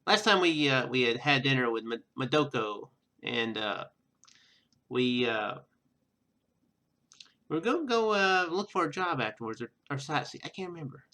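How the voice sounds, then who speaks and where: Animated, bright-voiced man rambling over a game. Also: mid-range voice. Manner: rambling, halting, self-deprecating. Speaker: let's player. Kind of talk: casual gameplay commentary. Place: indoor room at home.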